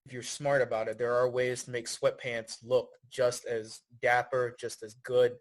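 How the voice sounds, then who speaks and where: A man in his twenties from Thailand, a podcast guest talking in a relaxed, thoughtful way. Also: mid-range voice, moderate pace. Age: 20s. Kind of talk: casual interview chat.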